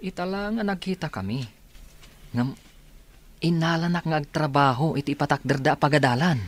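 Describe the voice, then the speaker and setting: A man's voice: a little high, normal speed, close to an everyday voice. A man playing a humble, deferential eatery owner. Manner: deferential, says sir often. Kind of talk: Ilocano radio drama acting.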